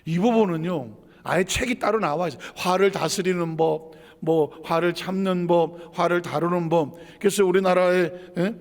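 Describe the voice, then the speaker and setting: A male pastor preaching a sermon with animation, acting out quarrels in mock voices and dropping to low asides. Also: normal speed. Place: church sanctuary. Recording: long hall reverb.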